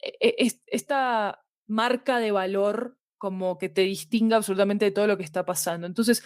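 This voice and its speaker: A woman's voice: medium pitch, fairly even intonation, normal speed, smooth, no room sound. Reflective Latin American woman, dry sound. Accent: Latin American Spanish. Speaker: podcast guest discussing audio fiction. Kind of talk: conversational interview discussion.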